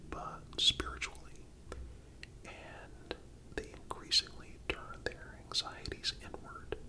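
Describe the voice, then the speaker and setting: A person whispering a scripted historical narration in a calm, deliberate ASMR style, breathy and broken by frequent pauses. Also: poor audio. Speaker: host and narrator.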